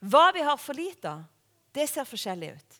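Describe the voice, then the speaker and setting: A woman with a high voice gives a sermon in a relaxed, conversational way, often turning to the listeners with rhetorical questions. Her voice carries a long reverb from a church hall. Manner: conversational, warm-hearted preaching with rhetorical questions. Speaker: preacher.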